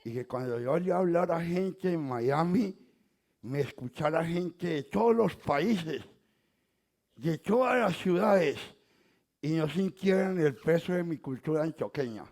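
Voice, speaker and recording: A middle-aged Colombian man with a softened Colombian Spanish accent, preaching a sermon that swings from quiet asides to loud emphatic exhortation. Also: fairly high pitch, lively intonation, unhurried. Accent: Colombian Spanish, softened toward neutral. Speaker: pastor.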